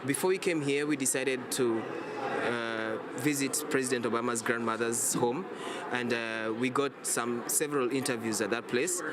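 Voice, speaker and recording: A man's voice: medium pitch, normal speed, a loud crowd. A young man from Kenya, a student climate activist, speaking earnestly in a street interview. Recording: loud noise behind, outdoors.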